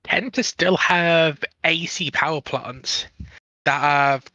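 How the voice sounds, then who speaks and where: A man in a casual technical discussion as a panel guest, speaking haltingly as he searches for words. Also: on the high side, bright, forceful tone, no echo, muffled recording.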